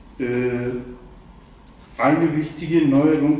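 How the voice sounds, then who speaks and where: Audible room echo and light background noise surround speech delivered at a very slow pace with fairly even intonation. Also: man. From eastern Anatolia, Turkey. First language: Zazaki (speaking German). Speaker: writer. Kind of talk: author self-introduction at a reading. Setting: wine bar event with audience. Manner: halting, many hesitations. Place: bar.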